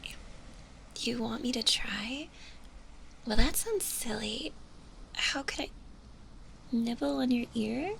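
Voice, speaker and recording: A woman playing a shy, gentle, lovestruck zombie girl in an intimate ASMR roleplay, speaking hesitantly and tenderly. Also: a little high, slow, gravelly, long pauses, slight background noise, heavily acted, poor audio. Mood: unsure, shy.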